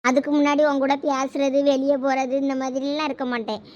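A very high, shrill young college girl in a cartoon, voiced by a woman. She is anxious but stubborn, insisting and pleading in turn. Her voice sits far above ordinary speech. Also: little pitch movement, brisk, a little mellow, muffled recording, lightly acted. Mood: firm.

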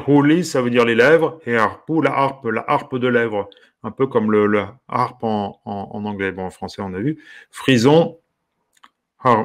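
With a mid-range voice, a man who teaches harmonica gives easygoing commentary while browsing. He sounds curious and amused, thinking aloud and softly exclaiming now and then.

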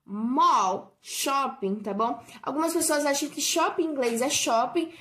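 A young Brazilian woman teaching English vocabulary, saying each word slowly and clearly and checking in with "alright?". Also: sits high. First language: Portuguese. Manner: slow, drawn-out model pronunciation, tag "alright?" after each example. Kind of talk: bilingual vocabulary lesson.

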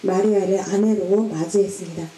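Female church interpreter, mellow tone, echoey hall. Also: mid-range voice, fairly even intonation, normal speed, slight background noise. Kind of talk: consecutive interpreting of a homily.

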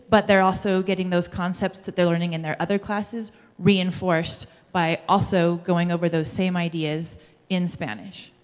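A woman high school Spanish teacher giving an earnest conference talk into a handheld mic on stage. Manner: earnest, explanatory, uses fillers. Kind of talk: conference presentation. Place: large school hall, on stage. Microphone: handheld microphone. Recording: long reverb of a large hall.

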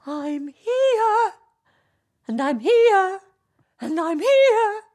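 Lady doing a desperate nymph girl repeating everything, high pleading cries. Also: big pitch swings, extremely slow, darkish tone, full character voice. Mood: echoing. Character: lovesick young female nymph, only repeats others.

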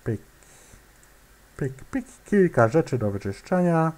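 A man's voice: on the high side, big pitch swings, slow pace, a little mellow. A man giving casual gameplay commentary, muttering to himself, hesitating and making clicking sounds as he plays. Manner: hesitant, many fillers and restarts.

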